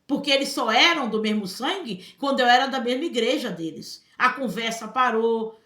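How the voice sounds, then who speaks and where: A woman's voice: a little high, lively intonation, normal speed, sharp tone, reverberant. A Brazilian woman giving emphatic personal commentary, often turning to her listeners with "gente" and "entendeu?". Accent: Brazilian Portuguese. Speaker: vlogger.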